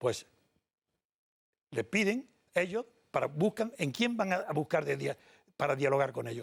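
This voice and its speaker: A man with a fairly high voice speaks with vocal fry and very wide pitch swings. Long, frequent pauses break up his speech, and the sound is dry and close with no echo. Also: moderate pace. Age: 80s+. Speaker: political thinker on a debate show. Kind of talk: studio panel discussion. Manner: halting, with many restarts.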